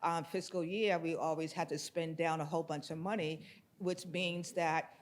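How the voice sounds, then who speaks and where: Loud, laughing audience member. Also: male voice, fairly high pitch, flat delivery, moderate pace. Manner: loud, laughing, informal, rambling. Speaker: audience participant. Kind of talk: audience comment in a workshop. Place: conference room. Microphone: handheld microphone.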